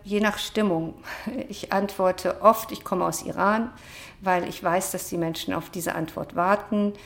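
A woman author answering interview questions in a measured, academic way, with frequent hesitation sounds. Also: fairly low pitch, fairly even intonation, creaky. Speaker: author and social scientist, interview guest.

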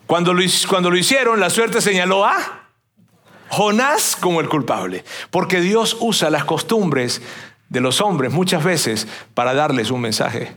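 A preacher delivers a casual, animated sermon. His voice sits high for a man. He slips into the voices of the people in the story as he tells it. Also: a little slow. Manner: lively, acts out the sailors' and captain's lines.

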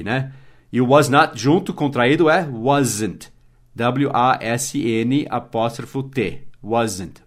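Brief: male podcast teacher, patient drills, spells words out, mid pitch. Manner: slow, careful drilling of pronunciation, spelling words out. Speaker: English teacher, podcast host. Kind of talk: mini-podcast English lesson.

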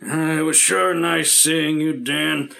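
A man's voice: on the high side, flat delivery, creaky, sharp tone, full character voice. An actor playing a chatty, chuckling male co-worker visiting a friend, in a 1950s radio play. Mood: jovial. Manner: jovial, slow-talking, chuckling. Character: chatty middle-aged male office colleague.

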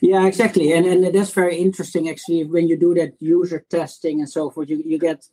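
A man's voice: on the high side, little pitch movement, brisk, warm tone, husky, poor audio. A middle-aged man with a Dutch accent, a startup founder answering interview questions with many restarts and repeated words. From Netherlands.

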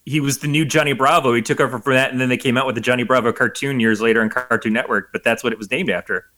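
A man with a bright, sharp voice trades crude jokes and teasing banter on a casual podcast. His middle-pitched delivery stays playful. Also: steady tone, rapid-fire. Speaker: podcast co-host. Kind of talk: casual chat.

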